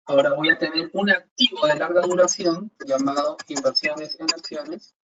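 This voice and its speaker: A man's voice: on the high side, normal speed. A man teaching an online accounting class, explaining step by step and asking rhetorical questions. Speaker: accounting instructor. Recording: dull distant mic with faint hiss.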